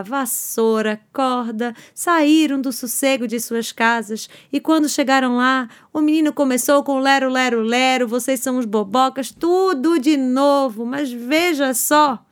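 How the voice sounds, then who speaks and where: A woman narrating a children's story in an animated, playful way. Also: high-pitched, smooth. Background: music.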